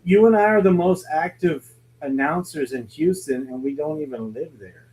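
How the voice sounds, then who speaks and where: A man's voice: on the high side, moderate pace, darkish tone, rough recording. A man chatting casually as a guest on a talk show. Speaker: guest, ring announcer. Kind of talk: casual chat.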